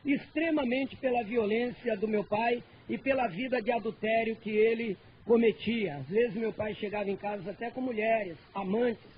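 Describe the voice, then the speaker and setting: A man's voice: sits high, normal speed, hardly any pauses. A man with a Brazilian accent giving an earnest church testimony, repeating phrases for emphasis. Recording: dull lo-fi recording with faint noise.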